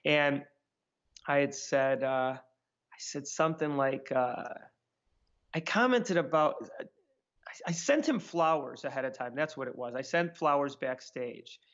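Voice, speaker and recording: A man telling stories in a casual interview, acting out what people said in a higher voice. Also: unhurried, pauses often. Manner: animated, acts out quotes in a higher voice. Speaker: magician guest. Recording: dull lo-fi sound.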